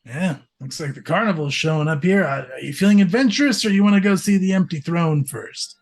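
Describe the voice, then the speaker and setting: A man's voice: a little high, fairly quick. A man running a tabletop game as game master, describing scenes in a loose, chatty way with lots of fillers.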